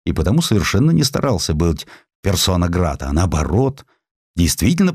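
A man's voice: lowish voice, dry recording, studio quality. A man reading a historical essay as a dramatized, theatrical audiobook narration. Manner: theatrical, expressive storytelling.

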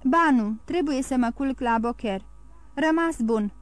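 Cautious jeweller man, brisk and polite, audiobook reading, dry close sound, woman doing the voice. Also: very high-pitched, no room sound. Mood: wary. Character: shrewd traveling male jeweller, cautious.

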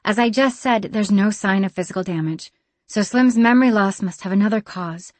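A woman voicing a careful, deadpan female tinkerer who speaks in a measured, slightly formal way. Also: medium pitch, no room sound, voice pushed up, close to an everyday voice.

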